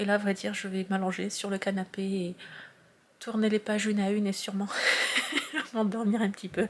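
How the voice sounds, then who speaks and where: There is noticeable noise in the background. A woman whispers at a moderate pace. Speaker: lifestyle vlogger. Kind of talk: casual vlog narration. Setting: at home. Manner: whispering.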